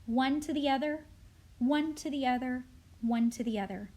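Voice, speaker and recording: A calm, calculating alien conqueror, read by a woman from a drama script. The voice sits high and stays measured, explaining with matter-of-fact contempt. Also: natural voice. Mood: cool, calculating.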